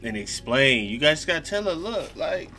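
A man's voice: a little high, big pitch swings, moderate pace, sharp tone, soft background music. A young man giving casual, slangy reaction commentary at home, repeating phrases for emphasis. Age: young adult. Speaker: reaction video host. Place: small room at home, indoors, seated at desk.

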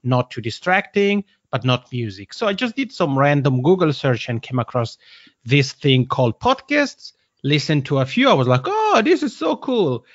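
A man's voice: a little high, huge pitch swings, moderate pace, no echo. A man in his thirties with an Italian accent, a podcast guest chatting casually, laughing often and restarting phrases. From Italian-speaking Switzerland. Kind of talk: casual interview chat. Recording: dry, slightly dull audio.

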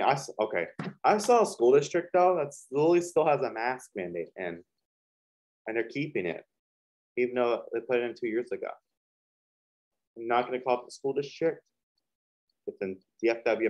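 A man's voice: on the low side, darkish tone. Rambling young man, lo-fi recording. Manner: rambling, full of fillers and restarts. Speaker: reaction video host. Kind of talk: casual reaction commentary. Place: small hot home studio with a fan running. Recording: dull lo-fi sound.

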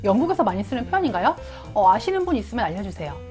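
Lively woman explaining English. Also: medium pitch, very fast, faint music behind. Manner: friendly, explains English usage in Korean. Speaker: YouTube English teacher. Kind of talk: casual explanatory vlog.

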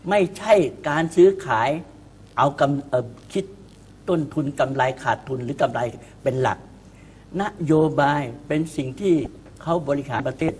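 A man's voice: medium pitch, normal speed, slight background noise. Emphatic Thai man discussing politics. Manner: emphatic, repeats words when starting a point. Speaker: political commentator. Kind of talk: talk-show discussion.

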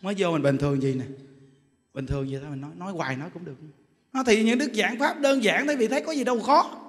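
A man giving a Buddhist dharma talk in a temple hall, telling stories in an animated way, with loud bursts and chuckles. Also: high-pitched, quick pace. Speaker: Buddhist monk teacher. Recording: long hall reverb.

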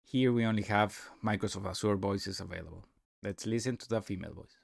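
Low-voiced man explaining software. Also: creaky, dry recording, studio quality. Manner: halting, explanatory. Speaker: software demonstrator. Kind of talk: unscripted screen-recording tutorial narration.

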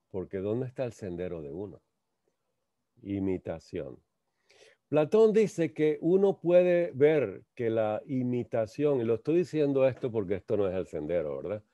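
A man slowly lecturing on a spiritual text, halting and repeating words, asking rhetorical questions. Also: medium pitch, dark tone, dry recording. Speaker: lecturer on theosophy. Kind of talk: slow reflective spiritual lecture. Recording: muffled lo-fi dry sound.

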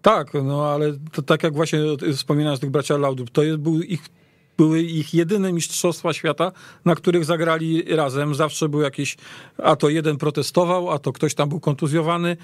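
A man casually discussing football as a radio pundit, halting and repeating words as he searches for them. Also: a little high, steady tone, dry recording. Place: radio studio.

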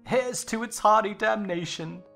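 A woman's voice: medium pitch, measured pace, vocal fry, fairly bright tone, faint music behind. A woman voicing a reckless, drunken middle-aged father who speaks with scorn and mockery. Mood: scornful. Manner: scornful and mocking.

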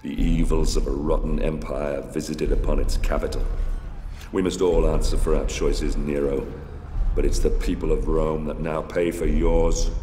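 An actor playing a grave, embittered Roman warrior, narrating solemnly in a dramatic video game. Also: male voice, a bass voice, vocal fry, exaggerated voice. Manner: solemn, brooding. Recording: long echoing reverb, faint ambient noise.

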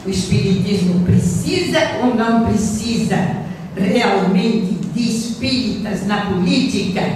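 An older woman delivers an earnest lecture in a small hall, her fairly high voice unhurried and deliberate. She speaks into a stand mic, but the sound is caught from far off. Heavy, lingering echo fills the room. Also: slight background noise. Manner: earnest, emphatic, slow and deliberate. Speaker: spiritist lecturer. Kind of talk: lecture reading from notes. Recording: roomy hall echo from a distant camera.

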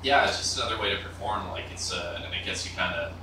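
A man's voice: deep voice, fast, a loud crowd. A man chatting modestly as a podcast guest about doing improv on the side. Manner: modest, laid-back. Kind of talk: casual chat. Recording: distant, echoey room, noisy.

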